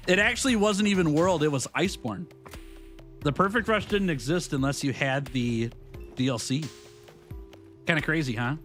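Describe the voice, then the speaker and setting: A man's voice: a little high, a bit bright. A man live-streaming a video game, chatting casually with his viewers, joking and laughing often as he reads their messages aloud. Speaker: gaming streamer.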